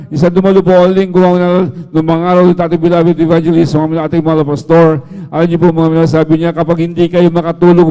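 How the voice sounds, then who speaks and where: A man's voice: fairly high pitch, warm tone, clear, resonant tone, in a large hall. A man with a Filipino accent giving a spoken testimony at a church prayer service, addressing the congregation as "beloved" between nearly every phrase.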